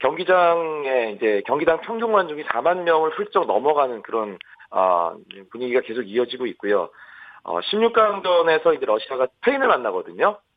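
In a fairly high pitch with very wide pitch swings, a man speaks at a moderate pace. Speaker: sports commentator. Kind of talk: phone interview. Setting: phone line from abroad.

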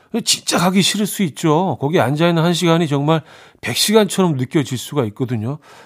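On a very clean recording with a silent background, a man with a plain, everyday voice speaks at a fairly high pitch with lively intonation. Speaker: radio host. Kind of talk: radio show with listener messages and interview. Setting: studio. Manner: calm, relaxed.

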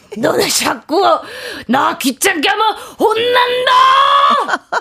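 In a put-on character voice, the speaker shouts at an extremely high pitch, hoarse and strained, at a very slow pace. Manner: grumpy, scolding.

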